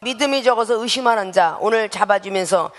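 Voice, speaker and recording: A woman's voice: medium pitch, fairly quick. A woman pastor preaching a sermon in a church, emphatic and calling out questions to the congregation. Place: church sanctuary. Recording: long reverberant hall sound.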